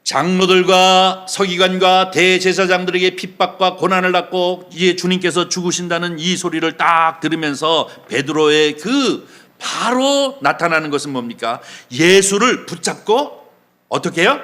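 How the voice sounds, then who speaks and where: A man's voice: high-pitched, normal speed, sharp tone. A male pastor preaching a sermon, leading the congregation in reading and acting out quoted dialogue with feeling. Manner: leads the congregation in reading aloud.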